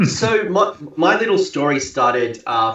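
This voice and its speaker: A man's lively intonation in an Australian accent. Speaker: YouTube content creator. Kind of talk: casual chat.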